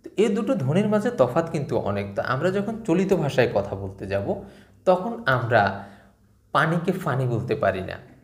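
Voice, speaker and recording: A man from southeastern Bangladesh teaching viewers, his pitch rising and falling freely as he explains sounds step by step. He chuckles now and then at his own jokes. The room has a noticeable echo. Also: very animated, normal speed. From Feni, greater Noakhali, Bangladesh. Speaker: video lecturer. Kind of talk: explanatory talk to camera.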